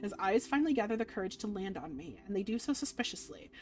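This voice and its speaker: A woman's voice: medium pitch, lively intonation, quick pace, a little mellow. A woman reading visual novel narration aloud as a streamer, telling it expressively and gushing over the characters. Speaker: video game streamer doing a playthrough. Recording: music behind the voice. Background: game music.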